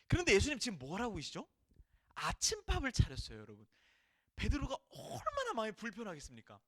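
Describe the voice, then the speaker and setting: A young man, a junior pastor, preaching a sermon in lively storytelling style, acting out the dialogue in casual voices. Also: high voice, no echo, clean studio sound.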